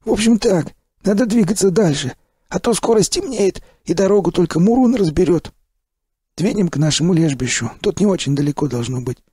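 A man voicing a hoarse, wisecracking veteran male stalker who talks brashly and gives orders in an audiobook. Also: high voice, lively intonation, brisk, mellow, dry recording, studio quality, voice pushed up. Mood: commanding. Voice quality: hoarse, wheezy. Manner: brash, bossy and joking.

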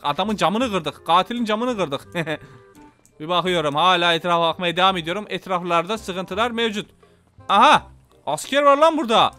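A man with a Turkish accent giving excitable, casual gameplay commentary, talking to his viewers and swearing playfully. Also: sits high. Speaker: gameplay YouTuber.

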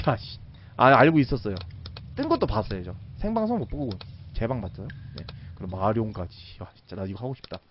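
A man doing casual commentary as a game streamer, excitable and breaking into sudden loud shouts. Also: medium pitch, husky, dull audio.

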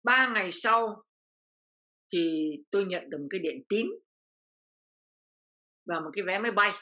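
A woman's voice: mid-range voice, a little slow, pushed and bright. An older woman from Vietnam, an interview guest, telling a personal story with feeling and repeating phrases as her voice rises.

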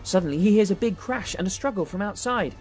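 A woman's voice: mid-range voice, lively intonation, quick pace, a little mellow. A woman reading scripted narration for a children's story in a dramatic storytelling manner. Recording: music behind the voice.

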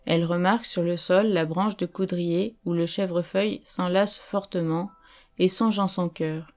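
A woman reading an audiobook as narrator, in a measured, solemn storytelling manner. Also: fairly low pitch, steady tone, a little mellow. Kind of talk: scripted narration.

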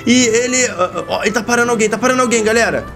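A young man giving excited gameplay commentary in a small room, calling out to his viewers and playing a police officer. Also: very high-pitched, racing. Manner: hyped, shouts at the audience, plays the police role. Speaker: gameplay narrator. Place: small room with green screen. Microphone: headset. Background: loud game music.

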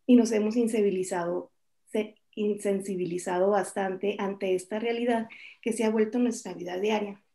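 A woman in her forties, a journalist speaking on a conference panel over a video call, candid and lively with joking asides. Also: mid-range voice, normal speed, gravelly. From Mexico. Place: home office, indoors.

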